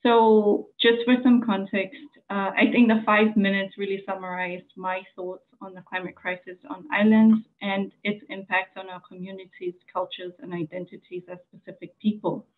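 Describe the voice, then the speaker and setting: Samoan woman presenter in her forties, earnest and halting, flat monotone, phone-thin sound. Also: medium pitch, phone-quality sound. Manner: earnest, halting with many fillers. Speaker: journalist presenter. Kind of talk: conference presentation.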